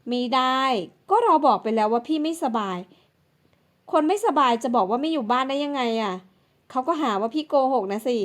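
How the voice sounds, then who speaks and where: A woman's voice: high-pitched, animated, normal speed, a bit bright. A woman voicing a pushy, spoiled older sister. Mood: pushy, blaming. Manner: bossy and pushy.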